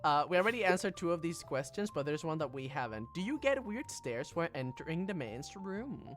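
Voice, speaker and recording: A woman's voice: low-pitched, very animated, a little fast, soft background music. A trans woman hosting a casual stream chat, who repeats her phrases and laughs often. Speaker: VTuber streamer host.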